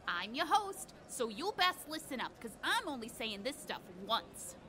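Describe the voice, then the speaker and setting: A woman's voice: high-pitched, very animated, measured pace, noisy background. A woman playing a bossy, streetwise host of a comedic radio survival guide, sassy, theatrical and tough-talking. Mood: cocky. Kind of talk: comedic audio drama acting.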